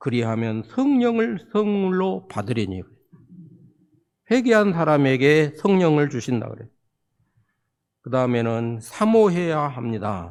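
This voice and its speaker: A man's fairly high voice with very wide pitch swings, at a very slow pace with long, frequent pauses. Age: 80s+. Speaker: retired pastor. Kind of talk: sermon.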